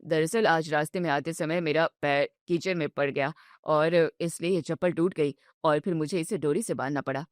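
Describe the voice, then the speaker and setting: A woman's voice: sits low, fairly even intonation, normal speed, hardly any pauses, no room sound, studio quality, pitched below the performer's own voice, natural voice. A woman voicing an embarrassed milkman who apologizes hesitantly. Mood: apologetic. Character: milkman, a poor embarrassed man.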